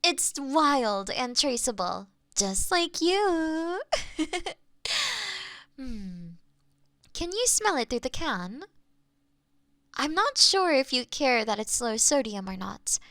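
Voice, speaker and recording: Doting pet owner woman performer, playful and cooing, very animated delivery, dry close-miked binaural sound for roleplay audio. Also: high-pitched, no echo, full character voice. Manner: cooing pet talk, giggly, affectionate. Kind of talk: roleplay audio, intimate one-sided scene. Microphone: close binaural microphone.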